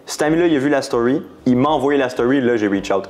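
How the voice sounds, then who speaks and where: A man's voice: medium pitch, lively intonation, fast talker, darkish tone. A young man in his twenties with a Quebec French accent, telling his story in a casual interview, rambling and slangy, dropping English words. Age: 20s. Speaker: guest entrepreneur.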